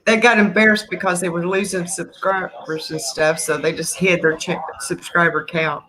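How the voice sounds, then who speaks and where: A woman's voice: lowish voice, flat delivery, normal speed, a crowd in the background, poor audio. A middle-aged woman, chatting casually as a livestream guest on a headset. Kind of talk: casual chat. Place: small room indoors.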